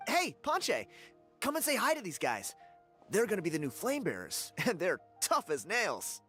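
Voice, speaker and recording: Upbeat, very animated guide. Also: male voice, high-pitched, normal speed, faint music behind, exaggerated voice. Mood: enthusiastic. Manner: warm and enthusiastic. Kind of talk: video game dialogue.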